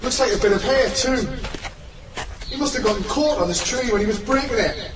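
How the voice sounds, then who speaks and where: An actor playing an awestruck but self-assured male researcher in an audio drama, speaking in dramatic, halting phrases. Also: very high-pitched, noisy background. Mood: tense discovery.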